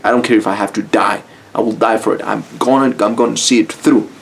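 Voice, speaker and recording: A man's voice: lowish voice, steady tone, quick pace, creaky, slight background noise. Mexican-accented man giving blunt advice. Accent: Mexican Spanish. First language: Spanish. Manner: blunt, casual, swears freely. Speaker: YouTube style coach. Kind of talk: motivational talk to camera.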